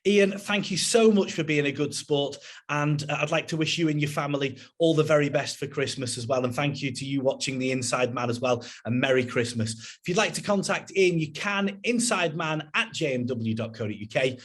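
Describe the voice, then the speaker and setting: A man hosting an interview, chatty and relaxed, with plenty of fillers as he introduces his guest. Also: fairly high pitch, a little fast, few pauses. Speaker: host.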